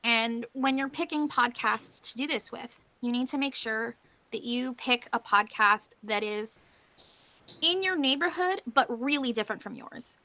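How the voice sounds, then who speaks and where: A woman's voice: on the high side, vocal fry, pushed and bright. A woman giving an informal conference presentation as a panelist, explaining things in a conversational way.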